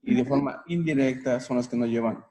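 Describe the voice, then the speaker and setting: A man's voice: medium pitch, brisk, mellow. A man answering a teacher's questions in class, thinking aloud as he explains his answers. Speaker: student.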